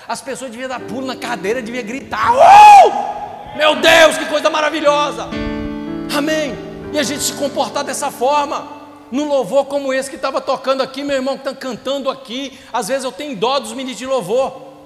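A man's voice: very high voice, brisk, crowd noise. A man with a Brazilian accent preaching a sermon as a pastor, telling stories and calling out to the congregation. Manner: fervent, storytelling, calls out to the congregation. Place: church with reverberant hall. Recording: reverberant church with music behind. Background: worship music playing.

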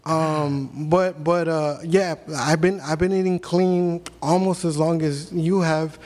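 A man's voice: fairly high pitch, steady tone, slow pace, darkish tone. A man in his thirties, a podcast guest, telling blunt, profane stories in casual chat. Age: 30s.

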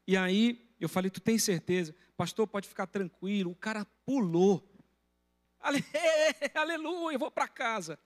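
A middle-aged man preaching a sermon as pastor, telling a personal story with lively, animated delivery. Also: high voice. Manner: storytelling, breaks into loud shouting when retelling a confrontation.

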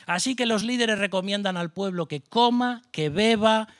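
A man's voice: sits high, normal speed, a bit bright, no room sound, studio quality. A middle-aged man from Spain preaching a sermon with a Spanish accent, passionate, firing off rhetorical questions and mocking asides. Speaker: pastor.

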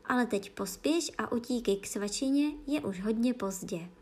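A woman voicing a gentle, affectionate older sister in a storybook reading. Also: a little high, close to an everyday voice.

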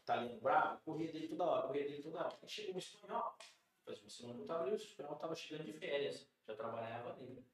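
A man's voice: fairly high pitch, racing. A man from Brazil, a chef on a podcast, chatting casually and animatedly, acting out the people in his stories. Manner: animated storyteller, acts out quoted dialogue. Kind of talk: casual chat. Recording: roomy studio sound.

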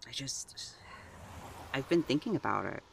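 Woman playing a low-voiced, hesitant anxious young driver. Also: lively intonation, measured pace, vocal fry, a little hiss or hum, heavily acted. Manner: hesitant, stammering. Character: anxious, soft-hearted young driver on a road trip. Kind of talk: audio drama acting.

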